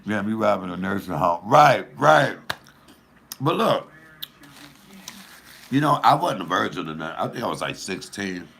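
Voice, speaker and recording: A deep, gravelly male voice with lots of swing in his pitch. He tells a raunchy story in a loose, profane way, laughing at his own punchlines as he goes. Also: animated, moderate pace, pauses often, a bit bright, slight background noise. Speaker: comedian host. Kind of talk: casual storytelling.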